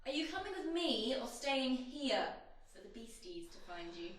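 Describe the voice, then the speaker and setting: A young woman acting a mysterious, menacing guide in a horror audio play, hushed, commanding and teasing with threats. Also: high voice, big pitch swings, normal speed, a little hiss or hum. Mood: coaxing menace. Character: mysterious menacing female guide in a hellish place. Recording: very echoey binaural recording.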